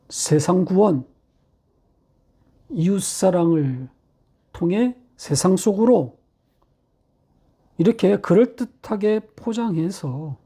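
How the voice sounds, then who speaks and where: A middle-aged male pastor preaching a sermon, posing rhetorical questions and slowing down to stress key phrases. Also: high-pitched, dark tone, breathy edge. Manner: rhetorical questions, measured delivery with slowed emphatic phrases.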